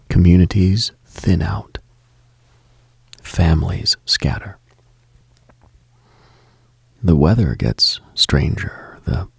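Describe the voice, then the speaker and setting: A late-night radio host speaks slowly and measuredly in a low, husky, gravelly, slightly mellow voice. He often drops to a breathy whisper while working through short contemplative lists. The recording is close and dry, with no room sound.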